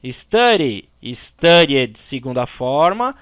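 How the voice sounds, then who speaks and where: A man's voice: mid-range voice, very animated, takes it slowly, fairly bright tone, smooth, no room sound. A man teaching an English grammar lesson, explaining the rules step by step and often checking in with his students.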